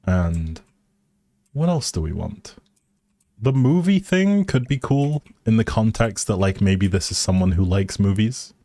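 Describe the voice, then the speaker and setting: A man with a deep, low voice talks through a game livestream. He is unhurried and easygoing, thinking aloud as he goes. The sound is close and dry, with very little room. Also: animated, mellow, dry recording. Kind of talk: casual livestream commentary while playing a life simulation game.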